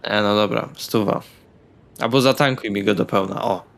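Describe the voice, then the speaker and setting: A man's voice: on the low side, steady tone, moderate pace, vocal fry, fairly bright tone. A man speaking casual, blunt in-character dialogue as a tabletop roleplay player.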